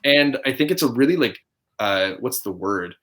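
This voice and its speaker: Guest, man from Canada, mid-pitched voice, earnest, gropes for words. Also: lively intonation, normal speed, a bit bright. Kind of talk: casual video chat.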